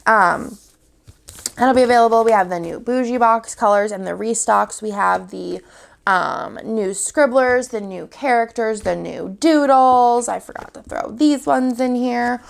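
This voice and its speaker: A woman's voice: a little high, unhurried, creaky. A young woman, chatty and upbeat, showing off new sticker products while sniffly from a cold. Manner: chatty, upbeat, walks through items one by one. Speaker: sticker shop owner. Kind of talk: casual product showcase.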